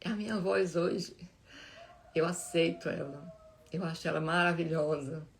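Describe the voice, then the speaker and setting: Gravelly low-voiced woman preaching. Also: slight background noise. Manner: heartfelt, halting, many restarts and fillers. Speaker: Bible study live host. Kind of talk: informal devotional talk.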